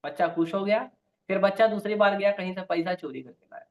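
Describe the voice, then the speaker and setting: In a high-pitched voice and at a slightly fast clip, a preacher tells stories through a Hindi devotional sermon, hammering home key phrases with emphasis. The recording sounds dull and lo-fi.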